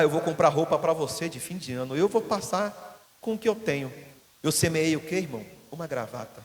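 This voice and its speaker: A man preaching a sermon as pastor in a church hall, telling stories and acting out the voices of the people in them. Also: fairly high pitch. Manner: storytelling, acting out quoted voices. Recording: long hall reverb.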